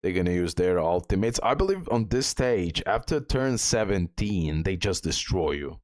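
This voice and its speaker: A man's voice: deep voice, very animated, normal speed, darkish tone, no room sound, clean studio sound. A man giving a casual gameplay walkthrough as a guide host, thinking aloud as he goes. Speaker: gaming guide creator, host.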